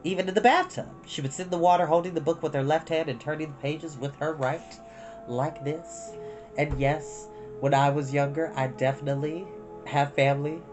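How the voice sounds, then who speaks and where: An expressive, informal storyteller reading a children's book aloud, with casual asides. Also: mid-range voice, moderate pace, over music. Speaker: storyteller and host.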